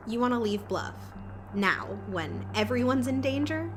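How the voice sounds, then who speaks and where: An actress playing a stubborn, defiant young woman with an insistent, sharp-tongued manner in an audio drama. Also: fairly high pitch, expressive, measured pace, soft background music. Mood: indignant. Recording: clear background noise.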